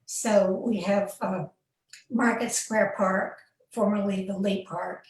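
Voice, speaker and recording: A woman with a mid-range voice explains her research plainly, with frequent pauses. She sounds distant from the mic, in a very echoey room. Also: mid-range voice, steady tone. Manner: explanatory, with fillers. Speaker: panelist, historic preservation researcher. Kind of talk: panel discussion.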